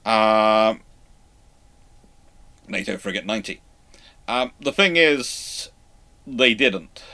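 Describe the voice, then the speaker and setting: A man's voice: on the low side, animated, bright, forceful tone. A man hosting a casual live question-and-answer chat, stammering through false starts and repeating himself. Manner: halting, stammering false starts and self-repetition.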